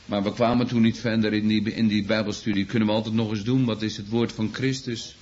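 A man's voice: fairly low pitch, little pitch movement, fairly quick, a little mellow. A man preaching a sermon to his congregation, earnest and exclaiming, often repeating himself as he restarts sentences. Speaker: pastor. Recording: dull lo-fi recording.

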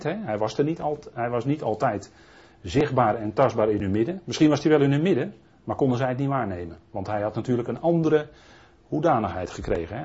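A man's voice: medium pitch, a little mellow, breathy edge. A man preaching a Bible teaching sermon in a rambling way, often adding tag questions and restarting his sentences. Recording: dull lo-fi recording.

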